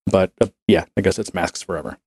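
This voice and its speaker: A man's voice: low voice, fairly even intonation, a little fast, a little mellow, breathy edge. A man co-hosting a podcast, chatting casually, joking and rambling with frequent restarts. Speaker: podcast co-host. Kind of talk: casual chat.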